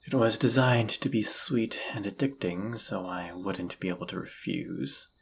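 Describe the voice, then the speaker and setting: Low, slow, husky demon seducer, male actor, smug and dangerous, teasing murmurs for romantic audio drama. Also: a little hiss or hum. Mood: puzzled, bitter. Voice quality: husky, gravelly. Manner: smooth-talking, teasing, theatrical, often breathy and murmured. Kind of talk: flirty audio roleplay acting.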